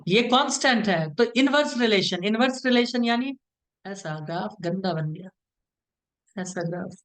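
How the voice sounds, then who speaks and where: A man's voice: high-pitched, expressive, a little slow, a bit bright. A man teaching an online class, explaining step by step in a playful, teasing way and often checking that students follow. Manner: playful, teasing, keeps asking "right?".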